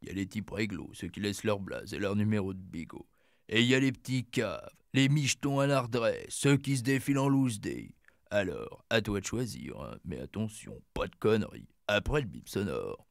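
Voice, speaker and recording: An actor playing a menacing, slangy French gangster who talks down to the listener in a comic answering machine sketch. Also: male voice, lowish voice, animated, normal speed, gravelly, no echo, clean studio sound. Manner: slangy, threatening, talking down. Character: menacing old-school French gangster, slangy tough guy.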